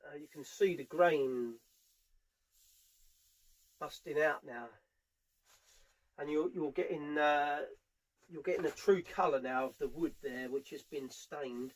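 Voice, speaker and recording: British male tradesman, voice a little on the high side, informal step-by-step demo delivery while hands are busy. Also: slow, long pauses, rough recording. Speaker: furniture polisher giving a how-to demonstration. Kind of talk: casual hands-on tutorial narration. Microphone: camera mic on a tripod, at varying distance.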